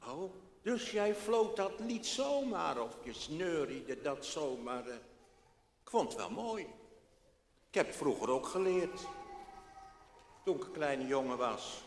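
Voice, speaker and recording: A man voicing a kind, slow old man who speaks gently and coaxingly. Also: fairly high pitch, very animated, heavily acted. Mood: curious. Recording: echoey hall, faint background.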